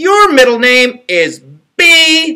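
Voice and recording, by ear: Someone puts on a character voice. It comes out high-pitched and squeaky.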